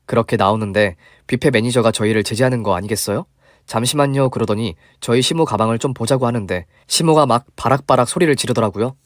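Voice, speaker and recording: A man's voice: mid-range voice, fast talker, few pauses, no echo, clean studio sound. Man narrating a chatty story.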